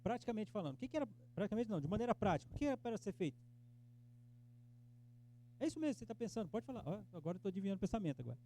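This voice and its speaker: A Brazilian man, a pastor, teaching an interactive Bible class, questioning the class and acting out their replies, swinging between emphatic exhortation and soft earnest tones. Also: high voice, very animated, rapid-fire, pauses often. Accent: Brazilian Portuguese. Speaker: pastor teaching Sunday school.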